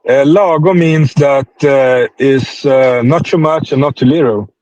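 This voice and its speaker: Man, slow, hesitant, casual interview answers, dry close sound. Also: medium pitch, darkish tone, no echo, lo-fi sound. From Sweden and Brazil. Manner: hesitant, searching for words. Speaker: band member being interviewed. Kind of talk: casual interview chat in English as a second language.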